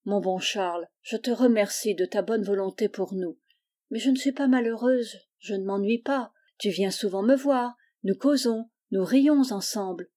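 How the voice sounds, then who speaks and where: A woman voicing a gentle, pious blind young girl in a storybook reading, soft, calm and resigned. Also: a little high, moderate pace, few pauses, natural voice.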